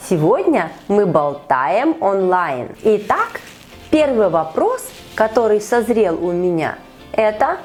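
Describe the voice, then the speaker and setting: A woman hosting an online conversation as a Russian teacher, asking a learner measured, encouraging questions. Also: medium pitch, darkish tone. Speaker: Russian teacher and podcast host. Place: online call.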